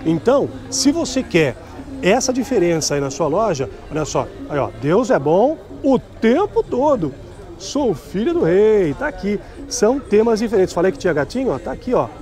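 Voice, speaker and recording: A middle-aged man, vlogging a tour of a street market at night and chattily promoting clothes and prices. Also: high voice. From Brazil. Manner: chatty and promotional, keeps asking vendors prices. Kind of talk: upbeat sales walkthrough.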